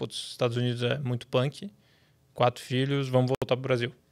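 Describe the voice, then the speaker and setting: This man's voice sits at a medium pitch and moves fairly quickly. Its intonation stays flat and monotone. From Brazil, São Paulo. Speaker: startup founder and CEO. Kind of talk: casual interview.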